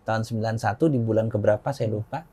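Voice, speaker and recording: With a lowish, breathy voice and a quick delivery, a forties-aged man from Indonesia recounts his own story as an interview guest. He's at ease, raises his voice to act out what people said, and chuckles a lot.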